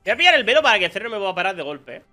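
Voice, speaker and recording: Bright-voiced Spanish gamer commentating live. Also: male voice, sits high, big pitch swings, very fast, soft background music. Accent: Spain Spanish. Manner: casual, muttering to himself, exclaims when surprised. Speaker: gaming streamer.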